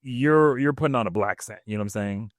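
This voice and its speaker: A man's voice: mid-range voice, fast talker, no room sound, clean studio sound. A man hosting a casual podcast discussion, informal and often checking back with questions. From Nigeria or Nigerian family. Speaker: podcast host moderating.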